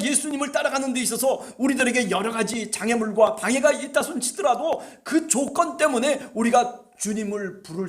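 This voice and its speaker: A male pastor delivering an impassioned sermon at a church service, urging his listeners and rising at times to shouts. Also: high-pitched.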